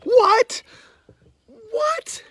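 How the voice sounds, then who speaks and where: Fifties male business coach, higher-pitched voice, blunt sarcastic vlogger, outdoor phone-mic sound. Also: animated, very slow, a bit bright, no room sound. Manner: blunt, sarcastic, jokey outbursts. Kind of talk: casual talking-head vlog. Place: outdoors on a farmyard. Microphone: phone held at arm's length.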